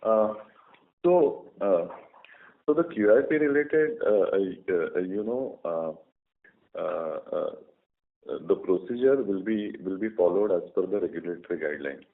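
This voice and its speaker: A man giving formal, guarded answers as an executive on an earnings call, with many halting hesitations. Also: deep voice, animated. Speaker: company executive. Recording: muffled phone conference line.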